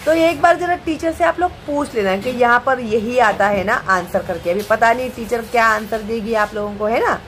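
A young adult woman, teaching a children's English lesson in a lively, coaxing way, reading riddles slowly and then explaining them. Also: on the high side, a little hiss or hum.

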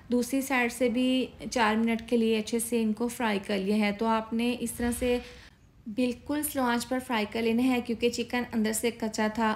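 Pakistani woman narrating a recipe. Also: fairly high pitch. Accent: Pakistani Urdu. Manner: steady step-by-step instructing. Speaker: cooking channel host. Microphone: voice-over.

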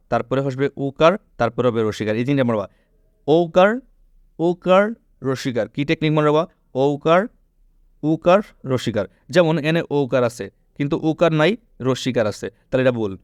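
Male tutor, rapid and clear, drills rules by repetition and quick questions. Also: medium pitch, a little mellow, no room sound, studio quality. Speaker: teacher. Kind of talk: online spelling lesson.

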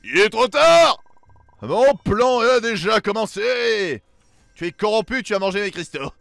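A man voicing a menacing, gloating demon monster from a video game in a slow, booming villain monologue. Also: lively intonation, vocal fry, a bit bright, no room sound, clean studio sound, exaggerated voice. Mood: triumphant. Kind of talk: dramatic read-aloud of video game dialogue.

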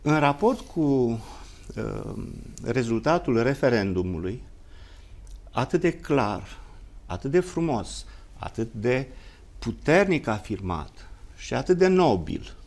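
A man with a Romanian accent speaking as a guest commentator in a formal political discussion, using elaborate, lofty academic phrasing with long pauses. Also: medium pitch, very animated, a little mellow.

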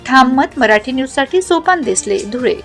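A woman with a fairly high voice reads a scripted news report in a formal, measured way. Soft music plays faintly underneath her. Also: lively intonation.

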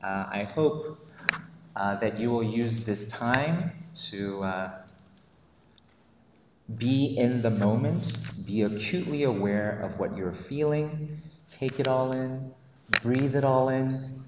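A man's voice: mid-range voice, slow pace, long pauses, very noisy. Nervous man speaking in echoey hall. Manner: hesitant, many ums and uhs, nervous. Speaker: commencement speaker, math teacher. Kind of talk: commencement speech. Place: large hall, at a podium. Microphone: podium microphone. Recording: echoey hall, dull lo-fi sound.

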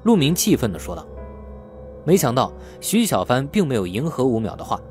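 A man's voice: mid-range voice, sing-song, a little fast, darkish tone, soft background music. A man reading scripted novel narration as an audiobook narrator.

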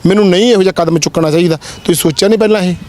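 A man's voice: high-pitched, racing, darkish tone. A man interviewing as a news reporter, asking probing questions. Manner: probing, lots of hums.

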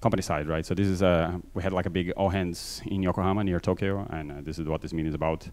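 This conference talk comes from a man with a low, steady, darkish voice and a Brazilian Portuguese accent shaped by life in many countries. Speaking into a handheld mic on a large stage, he goes fast and loose, with constant fillers and self-deprecating asides.

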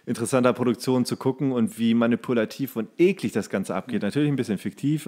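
A man's voice: lowish voice, darkish tone. A man co-hosting a podcast, chatting casually and jokingly in a loose, colloquial, teasing way. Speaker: podcast co-host. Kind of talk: casual joking chat about TV series.

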